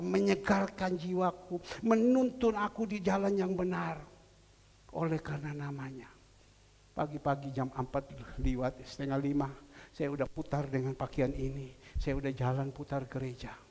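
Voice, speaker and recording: A male pastor preaching a sermon in a church, swinging from soft, low asides to loud, emotional emphasis. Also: gravelly, long reverb tail. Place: church sanctuary.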